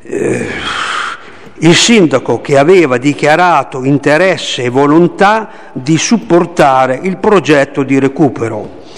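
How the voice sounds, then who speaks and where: A male town councillor speaks at a council meeting, measured with a dry ironic edge. His voice is a bit high and rings with the long reverb of the hall. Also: lively intonation. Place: council chamber.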